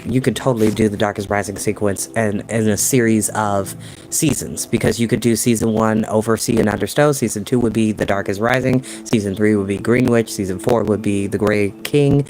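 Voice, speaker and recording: In a small home room with bookshelves and a desk, a young adult man reads a book aloud as storytime host, dropping enthusiastic, slangy asides. His lowish voice is steady, brisk and a little mellow, and the recording is rough.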